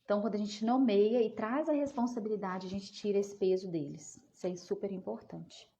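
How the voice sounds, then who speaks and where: Woman, 30s, psychologist, casual live Q&A, mid pitch, keeps asking "né?". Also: steady tone, fairly quick, warm tone. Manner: chatty, often asks "né?", talks to viewers as "gente". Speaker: child psychologist answering viewer questions.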